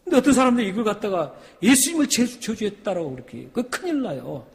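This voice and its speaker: Emphatic Korean pastor in a reverberant hall. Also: male voice, high-pitched, huge pitch swings, fast, vocal fry. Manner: emphatic, rising to loud peaks, asks the congregation questions. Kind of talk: sermon. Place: church sanctuary.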